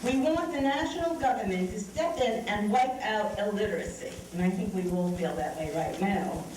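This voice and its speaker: A woman's voice: mid-range voice, normal speed, a little mellow. A woman giving a public speech and reading out a quotation in a declamatory way. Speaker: speaker at a college lecture event. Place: large room at a live event. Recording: echoey hall, distant mic, noisy.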